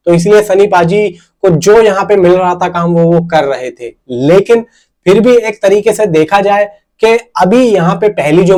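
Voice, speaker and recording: A man's voice: sits high, darkish tone. A man giving casual, unscripted film-news commentary to viewers, conversational and emphatic, often repeating and rephrasing his points.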